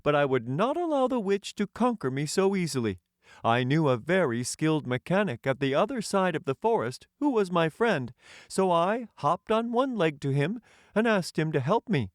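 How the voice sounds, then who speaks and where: A proud storybook tin emperor, speaking very high with a lilting, swooping delivery. He is courtly and self-satisfied, and words everything formally and grandly, as in an audiobook fairy tale. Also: sing-song, normal speed, no echo, clean studio sound. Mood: earnest, cheerful. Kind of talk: audiobook character voice.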